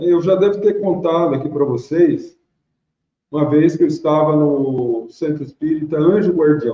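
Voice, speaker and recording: With a plain, everyday voice, a man talks at a moderate pace and a fairly high pitch. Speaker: Spiritist lecturer. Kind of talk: lecture.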